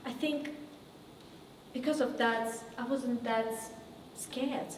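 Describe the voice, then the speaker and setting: A woman acting as a haunted woman delivers a dramatic stage monologue in a fairly high voice. She speaks deliberately, with halting pauses. The sound is distant and reverberant. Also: fairly even intonation. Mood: subdued, uneasy. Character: woman recounting childhood memories, wry then wounded and haunted. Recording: echoey reverberant room, distant mic, faint noise.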